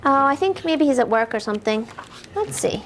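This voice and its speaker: A woman reading picture books aloud to young children in an animated, encouraging way, asking them questions and playfully exclaiming the action words. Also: high-pitched, a little fast, slight background noise. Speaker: storytime reader for young children.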